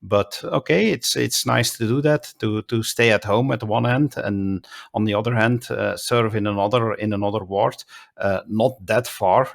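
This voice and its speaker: A man in his fifties with a Flemish Dutch accent, a native Dutch speaker talking as a guest in a relaxed interview. He speaks in a measured way and often pauses with "uh" while he searches for words. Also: fairly low pitch, creaky. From Belgium (Flanders). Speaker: guest, bishop. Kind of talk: casual interview conversation.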